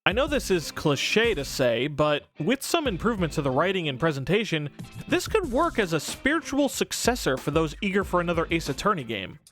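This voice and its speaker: High pitched guy doing a sweary game review, voice jumps around a lot, bit of music under it. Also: huge pitch swings, a little fast, fairly bright tone. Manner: sweary, irreverent, informal. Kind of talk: casual scripted review commentary. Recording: music behind the voice. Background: background music.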